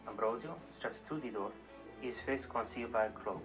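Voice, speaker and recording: A man's voice: medium pitch, brisk, music in the background, lightly acted. An actor playing a man who reads out screenplay stage directions in clipped, matter-of-fact phrases, in muffled film audio. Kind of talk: scripted reading of stage directions.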